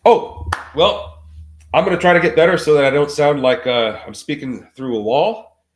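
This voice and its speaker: A sick man whose voice sounds muffled, as if speaking through a wall, talking about trading in a halting way with many fillers. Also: fairly high pitch, slight background noise. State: sick, under the weather. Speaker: regular market commentator. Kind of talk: casual trading talk on a live show. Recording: roomy, muffled remote audio.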